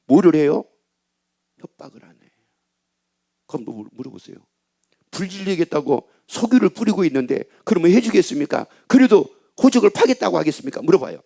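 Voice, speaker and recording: A middle-aged man preaching a sermon as pastor, telling a story with lively asides and questions to the congregation. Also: a little high, a little fast, vocal fry, long pauses.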